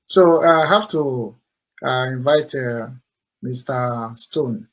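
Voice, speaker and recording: A man's voice: medium pitch, slow. Polite male host of an online call. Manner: polite, repeats thanks, nonnative phrasing.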